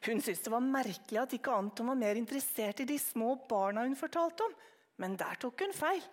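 A woman reads a children's story aloud with calm, even narration. Her voice sits high.

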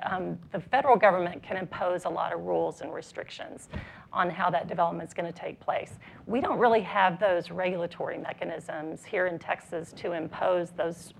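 Woman with a scratchy, gravelly voice. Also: on the low side. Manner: measured, explanatory, frequent ums. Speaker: panelist. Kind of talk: panel discussion. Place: conference stage.

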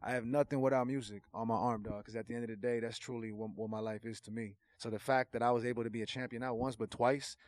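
A man whose first language is Portuguese, a guest rapper talking in a casual podcast chat, animated and slangy with emphatic swearing. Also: medium pitch, fast talker, hardly any pauses, no echo, clean studio sound.

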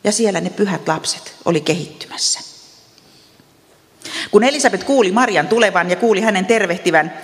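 Ostrobothnian woman as Bible teacher, lively storytelling asides, long hall reverb. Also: fairly low pitch. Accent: Ostrobothnian Finnish. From Ostrobothnia, Finland. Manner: lively, chatty asides with gentle humor.

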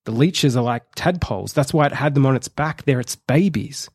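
An earnest young biologist speaks urgently, working things out aloud, as a man narrates him in his own voice. The tone is gravelly at a middle pitch, and the sound is dry and close. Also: normal speed, darkish tone, no echo. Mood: excited.

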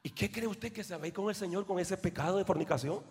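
A male pastor preaching a fiery sermon, shifting from loud shouts to quiet asides aimed at the congregation. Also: sits high, quick pace, long reverb tail. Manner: swings between shouting and near-whispered asides, calls out to the congregation. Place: church.

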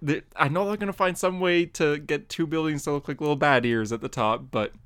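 A man's voice: fairly high pitch, brisk, fairly bright tone, clean tone. A man co-hosting a podcast about comics, chatting casually and rambling, with frequent laughs mid-sentence. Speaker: podcast co-host and comic artist. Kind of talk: casual chat.

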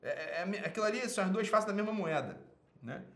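A brisk, animated man with a high-pitched, fairly bright voice and a Brazilian Portuguese accent replies to a listener's email on his advice show, the sound reverberant. His casual monologue is blunt, emphatic, and full of swearing.

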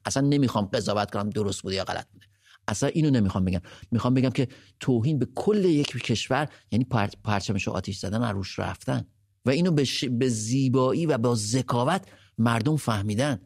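A man's voice: mid-range voice, expressive, darkish tone, no room sound, clean studio sound. A man co-hosting a live podcast, speaking emphatically and repeating phrases for stress. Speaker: podcast co-host.

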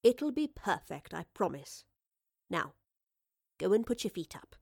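Female professor-adventurer, voiced by a woman narrator, storybook. Brisk, cheerful, affectionate, politely old-fashioned. Dry. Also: mid-range voice, sing-song, creaky, warm tone, husky, dry recording, exaggerated voice. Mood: assured.

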